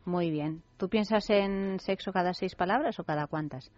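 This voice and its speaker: A woman hosting a radio chat, teasing and mocking herself in quick banter. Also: on the low side, a little mellow, dry recording, faint music behind. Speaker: radio host. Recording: dull lo-fi radio with crowd behind.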